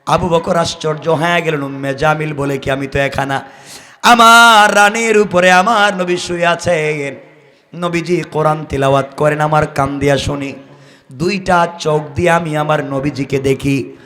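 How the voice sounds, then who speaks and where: Male Islamic preacher, high bright voice, exclamatory and dramatic storytelling delivery. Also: steady tone, moderate pace. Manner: exclamatory, calls on listeners to respond and pay attention. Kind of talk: impassioned sermon with dramatic storytelling and melodic scripture recitation.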